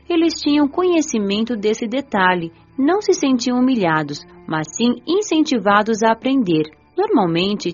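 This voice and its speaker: A woman narrating an audiobook in the first person, telling the story gently. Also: mid-range voice, muffled recording.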